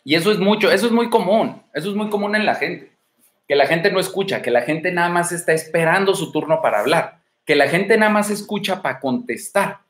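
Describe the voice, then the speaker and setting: Streaming from a room at home, a man with a Mexican Spanish accent gives casual dating advice in a high-pitched, fairly bright voice with lively intonation and a slightly fast pace. He's blunt, crude and swaggering, full of slang and rhetorical questions.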